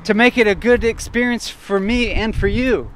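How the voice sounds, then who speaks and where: A man walking outdoors and thinking aloud in short, broken phrases, at times loud and assertive, almost shouting. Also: sits high, normal speed, slight background noise. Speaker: vlogger. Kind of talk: reflective walking monologue. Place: outdoors on a street while walking.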